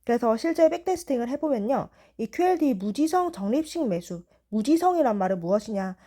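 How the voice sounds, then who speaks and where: A young woman in her twenties calmly walking through stock chart analysis. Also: a little high, brisk. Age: 20s.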